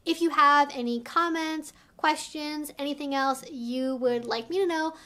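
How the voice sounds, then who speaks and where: High-pitched woman presenting an explainer vlog. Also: unhurried, bright, forceful tone. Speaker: video host and educator. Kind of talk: semi-scripted explainer vlog to viewers.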